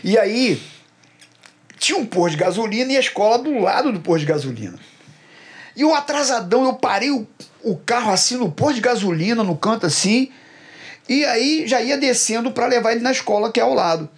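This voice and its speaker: A middle-aged man, a church program host who tells stories in a lively way and acts out the dialogue. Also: very high voice, a little fast. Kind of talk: animated storytelling and Bible talk.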